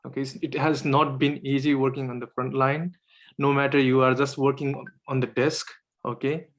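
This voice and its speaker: A man's voice: mid-range voice, level tone, moderate pace. Man moderating a video-call panel. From Nepal. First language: Nepali. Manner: hesitant, many fillers and restarts.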